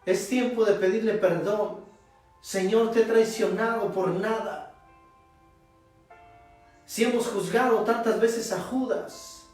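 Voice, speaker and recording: Pastor, male, high-pitched and unhurried, emphatic sermon with long pauses, recorded far off in a very roomy church over soft music. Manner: emphatic preaching with drawn-out pauses. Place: church sanctuary. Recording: echoey church, distant mic, soft instrumental music.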